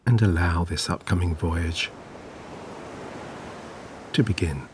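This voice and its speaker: A man narrating a scripted guided sleep meditation in a soothing, gentle, measured way. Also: low-pitched, slight background noise. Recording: clear background ambience of waves. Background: relaxing ocean wave sounds.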